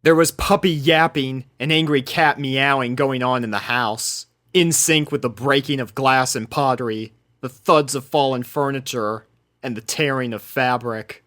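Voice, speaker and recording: A storyteller reads scripted fiction aloud with expressive delivery. The voice sits at a medium pitch and follows the drama of the prose. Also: measured pace. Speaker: fan fiction narrator.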